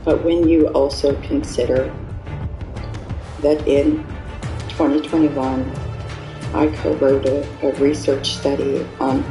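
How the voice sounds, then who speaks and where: A former Amish speaker, a native speaker of Pennsylvania Dutch, explains things in a slow, deliberate, measured way. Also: medium pitch, gravelly. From Amish settlements in the US. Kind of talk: earnest explanatory talk. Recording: echoey room with music underneath.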